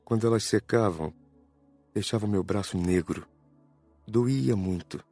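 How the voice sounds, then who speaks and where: Casting: male actor as somber Brazilian spirit student, deep, dark voice, plain audiobook testimony over faint music. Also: a little slow, dry recording. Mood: somber recollection. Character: Murilo, male spirit student recalling suffering.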